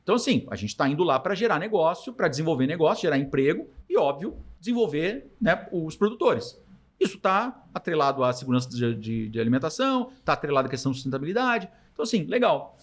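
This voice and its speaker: A man with a southern Brazilian accent and a slightly high voice, talking very quickly. He speaks casually as an interview guest, with slangy, anecdotal phrasing that slips into imagined dialogue. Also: big pitch swings. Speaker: podcast guest, startup founder.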